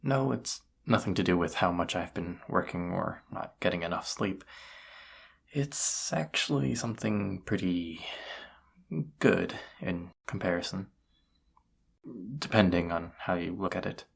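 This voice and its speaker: A man playing a tired, flustered incubus roommate in an intimate audio roleplay, speaking in a halting, awkward way with a husky, gravelly voice. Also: low voice, full character voice. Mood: flustered, hesitant. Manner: hesitant, halting, soft-spoken, awkward. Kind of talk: roleplay audio drama, intimate one-sided dialogue.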